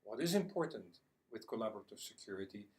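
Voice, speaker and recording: A man giving an explanatory presentation as a conference speaker, with deliberate, halting phrasing and repeated words. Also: lowish voice, expressive, a little mellow. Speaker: conference speaker on internet security. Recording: distant microphone.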